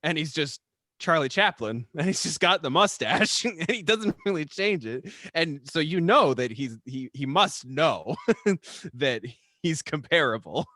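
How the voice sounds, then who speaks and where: Animated, high-voiced man, bright. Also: a little slow, dry recording, studio quality. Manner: animated, amused, hesitant with repeated words. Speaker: podcast guest, writer and storyteller. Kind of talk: casual chat.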